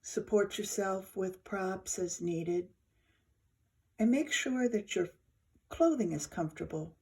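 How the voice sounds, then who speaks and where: A woman leads a guided meditation as a yoga teacher. Her voice is mellow and relaxed, at a middle pitch. She speaks very slowly and soothingly, leaving space between short phrases.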